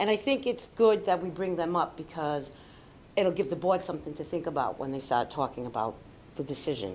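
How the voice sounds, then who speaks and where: Very wide pitch swings at a moderate pace. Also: woman. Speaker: school paraprofessional. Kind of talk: public comment at meeting. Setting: school committee meeting. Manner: loud.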